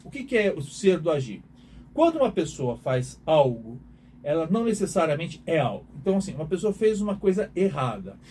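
A man's voice: on the high side, very animated, fairly quick, warm tone, a little hiss or hum. Emphatic man lecturing. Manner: emphatic, questioning, repeats himself. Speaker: communication teacher. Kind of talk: lecture to an online audience.

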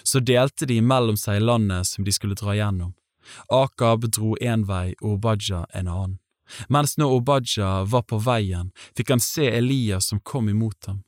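Man reading bible passages, low voice, slow steady delivery, totally dry studio sound. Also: no room sound. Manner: measured, even reading. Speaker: Bible reader. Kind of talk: scripted scripture reading.

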